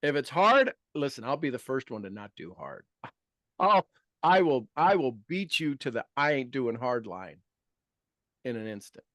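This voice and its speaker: A man's voice: mid-range voice, very animated, a little slow, fairly bright tone, no room sound. A man in his fifties hosting a motivational group talk, emphatic and repeating his key phrases. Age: 50s. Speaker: host and coach.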